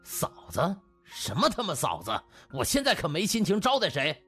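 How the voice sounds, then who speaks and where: A man's voice: fairly high pitch, huge pitch swings, normal speed, fairly bright tone, soft background music, pitched above the performer's own voice. A man voicing an obsequious, flustered male hospital director with a hot temper, in an audiobook drama, gushing and fawning. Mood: angry.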